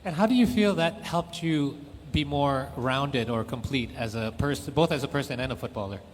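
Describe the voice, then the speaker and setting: Male moderator-interpreter, medium pitch, chatty and rephrasing, heard with long hall reverb. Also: normal speed, a little hiss or hum. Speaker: interviewer and interpreter at a press event.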